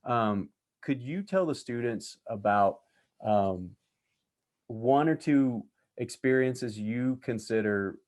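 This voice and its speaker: A man's voice: medium pitch, expressive, slow pace, a little mellow. A man hosting a class interview who speaks hesitantly and searches for his words, with many ums and restarts. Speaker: university instructor hosting a class.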